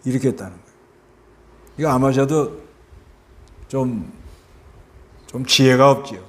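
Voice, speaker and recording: Male pastor, Busan Gyeongsang accent, chatty sermon, mid pitch, asks questions. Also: measured pace. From South Korea. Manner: conversational preaching with rhetorical questions and acted-out voices.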